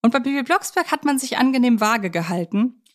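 A woman's voice: on the high side, animated, a little fast. A woman co-hosting a podcast, discussing films in a casual, colloquial way with a fan's enthusiasm. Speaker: podcast co-host.

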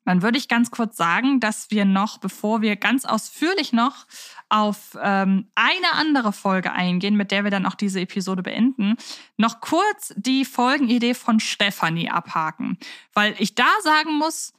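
A woman's voice: medium pitch, lively intonation, measured pace, a bit bright, no room sound, clean studio sound. A woman hosting a casual fan podcast, talking in an enthusiastic, chatty way. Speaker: podcast host.

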